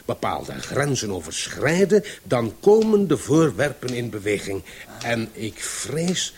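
Docerende, zelfverzekerde theoreticus. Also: male voice, medium pitch, sing-song, a little mellow. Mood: pompous, lecturing. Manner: deliberate, lecturing, emphatic pauses. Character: pedantic theorizing uncle, self-assured amateur scientist. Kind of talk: Dutch-language radio play acting. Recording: faintly hissy old radio recording.

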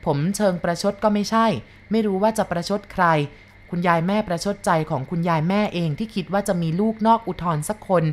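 A woman narrating a first-person story from a boy's point of view in a calm, measured reading. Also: mid-range voice.

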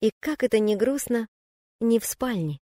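Calm woman reading a memoir. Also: on the high side, normal speed, dry recording, studio quality. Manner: calm, even, reflective reading. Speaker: audiobook narrator. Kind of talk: first-person memoir reading.

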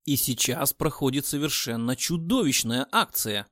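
A man's voice: mid-range voice, expressive, moderate pace, a bit bright, no room sound, studio quality. Man reading a dramatic audiobook. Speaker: audiobook narrator. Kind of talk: expressive scripted narration.

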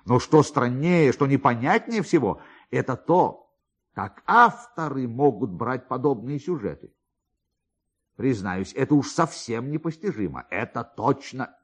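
A man narrating literary prose for radio in a theatrical manner, with emphatic pauses and drawn-out words. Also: mid-range voice, animated, breathy edge.

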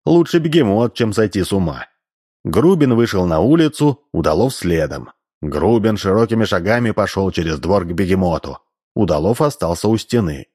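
A man's voice: low voice, very animated, normal speed, a little mellow, husky. A man narrating a comic story as an audiobook in scripted narration.

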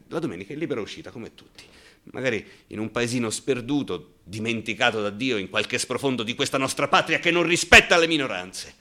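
Low, tense, anxious gay man. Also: bright, forceful tone. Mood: indignant, hurt. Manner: confiding, halting and repetitive, breaking into bitter outbursts. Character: anxious, bitter gay man recalling his terrified youth at army call-up. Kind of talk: theatrical radio monologue.

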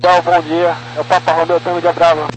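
High-voiced man over a two-way radio. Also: little pitch movement, fairly quick. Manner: brief clipped radio phrasing. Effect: heard over a two-way radio. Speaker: pilot. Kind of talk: radio communication with air traffic control. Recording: noisy distant radio transmission.

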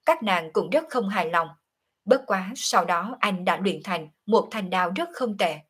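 A woman voicing a calm young woman who confides in her lover, in an audiobook reading. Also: medium pitch, breathy edge, close to an everyday voice.

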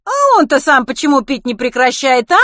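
A woman voicing a brash, foul-mouthed, indignant woman who exclaims loudly in an audiobook story. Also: on the high side, huge pitch swings, normal speed, no echo, clean studio sound, pitched above the performer's own voice, full character voice. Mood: indignant, shouting. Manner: loud, outraged exclaiming.

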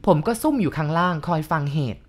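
Woman narrator, audiobook ghost story, somewhat low voice, steady even storytelling. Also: fast. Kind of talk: audiobook reading of a first-person ghost story.

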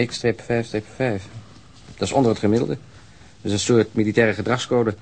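An actor playing a practical, dryly sardonic police detective with a clipped manner, in a radio drama. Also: male voice, on the low side, fairly even intonation, brisk, a little mellow. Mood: matter-of-fact. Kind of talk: Dutch radio crime drama acting.

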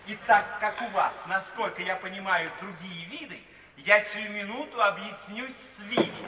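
Radio play: cheeky young gentleman male actor, high voice, teasing and theatrical, echoey vintage sound. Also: moderate pace, close to an everyday voice. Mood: flippant, defiant. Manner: ironic mock-polite banter. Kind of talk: theatrical radio drama acting. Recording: noisy 1950s recording, distant and echoey hall.

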